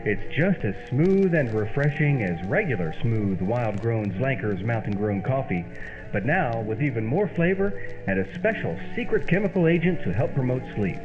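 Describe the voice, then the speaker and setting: A man playing an emphatic, declamatory amateur sleuth and pitchman in an old-time radio comedy. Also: muffled recording.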